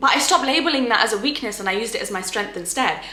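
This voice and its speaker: Over noticeable background noise, a woman speaks in an energetic tone. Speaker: self-help YouTuber. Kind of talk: self-help talk to camera. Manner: fast; loud, energetic.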